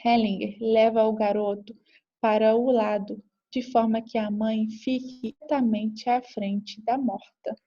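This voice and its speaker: A woman calmly reading aloud the account of a group therapy session, in a measured narration. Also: a little high, highs cut off. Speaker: reader.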